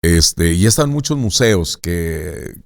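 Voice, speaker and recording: A man with a Mexican accent hosting a casual interview, chatty and relaxed in his questions. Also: sits low, a little slow, gravelly. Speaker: host.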